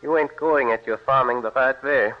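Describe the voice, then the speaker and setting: An actor playing a blunt, neighborly older farmer in a 1940s radio play, with folksy rural speech, on a muffled old recording. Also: male voice, mid-range voice, moderate pace, lightly acted.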